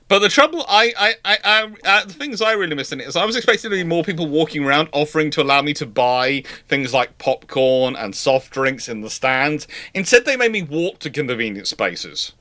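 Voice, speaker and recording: A man's voice: fairly high pitch, expressive, a little fast, hardly any pauses, sharp tone. A British man in his forties hosting a casual live question-and-answer chat, rambling and emphatic in his opinions. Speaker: live stream host.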